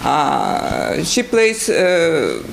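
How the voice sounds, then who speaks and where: A woman with a Russian accent asking a halting question at a conference, pausing often with filler sounds. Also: low voice, sing-song, gravelly, a little hiss or hum. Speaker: audience member asking a question. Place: conference room.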